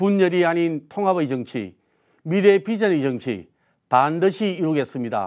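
A man with a high voice talks at a fairly slow pace. His intonation is lively, and the background is quiet. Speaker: city council member. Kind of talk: acceptance speech. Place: studio.

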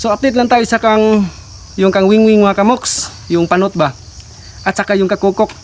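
Speech moves along at a fairly quick clip against noticeable background noise. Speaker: vlogger. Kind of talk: casual vlog. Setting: outdoors in forest.

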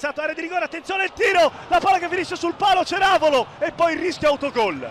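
An excited, animated man speaks at an extremely high pitch and a very fast pace. Noticeable background noise runs behind him. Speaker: football commentator. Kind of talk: live sports commentary. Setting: stadium broadcast commentary. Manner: fast, excited, animated delivery, rising intensity on goals; breathless rapid-fire play-by-play.

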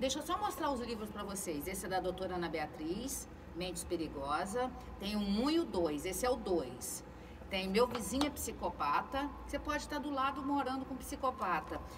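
A woman at medium pitch with very wide pitch swings, moderate pace, and noticeable background noise. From Brazil. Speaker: psychoanalyst and radio commentator. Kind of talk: casual chat. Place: studio. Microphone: studio mic.

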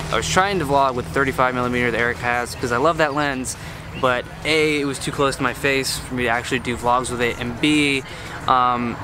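The speech moves at a fairly quick pace with fairly even intonation, recorded dry with no echo over noticeable background noise. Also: man. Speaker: vlogger. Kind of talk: casual vlog chat. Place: street. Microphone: phone near.

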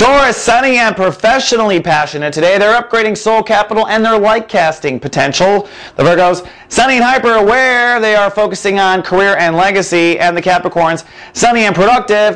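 Pitched high for a man, his animated, cheerful voice runs at a fairly quick pace with very even loudness and ordinary pitch variation. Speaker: astrologer. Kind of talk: weather report. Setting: studio. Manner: animated, cheerful and playful, delivered with a sunny broadcast cadence. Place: studio. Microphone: lapel.

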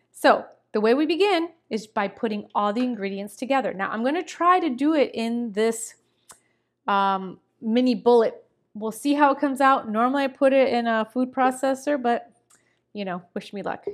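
Against a quiet background, a woman talks in a high-pitched voice. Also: moderate pace. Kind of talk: tutorial. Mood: friendly, relaxed. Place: kitchen.

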